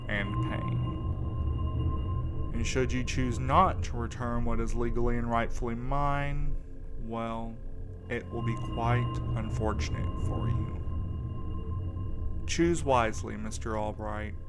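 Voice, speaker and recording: A man's voice: mid-range voice, fairly even intonation, slow, pauses often, loud music behind the voice, close to an everyday voice. A man acting in an audio drama as a reluctant, wry traveler with a dry, skeptical way of talking. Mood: measured reading aloud. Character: reluctant, wry man on a road trip, easily disgusted.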